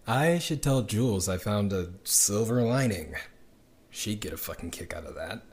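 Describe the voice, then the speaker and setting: A man playing a weary, wry young underground dweller in an audio drama, speaking in an intimate, reflective and halting conversational monologue. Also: on the low side, lively intonation, darkish tone. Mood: wry, subdued. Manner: reflective, halting, with sardonic little laughs and sighs.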